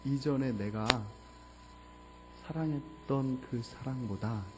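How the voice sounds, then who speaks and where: Male pastor, 40s, personal-story sermon; quiet intimate delivery with bursts of passion, faint background music. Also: slow pace. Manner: emotional storytelling, mostly low and hushed, rising to loud fervor. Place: church sanctuary.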